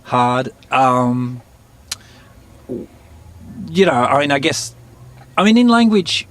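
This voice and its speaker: A man telling stories in an interview, halting and searching for words, often laughing. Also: medium pitch, sing-song, a bit bright, dry recording. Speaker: interviewee, musician. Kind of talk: casual storytelling interview.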